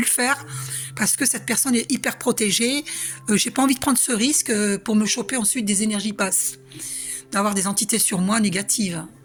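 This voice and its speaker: Over music in the background, a woman speaks at a moderate pace and a fairly high pitch with ordinary pitch variation. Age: 60s. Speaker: spiritual medium. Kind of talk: channeled spiritual message monologue. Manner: halting with many fillers.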